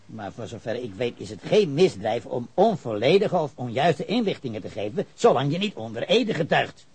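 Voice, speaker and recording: A man's voice: medium pitch, sing-song, normal speed, darkish tone, breathy edge, no echo, full character voice. An actor playing an evasive, argumentative, pedantic male witness with leftist ideals in a radio drama. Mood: defiant.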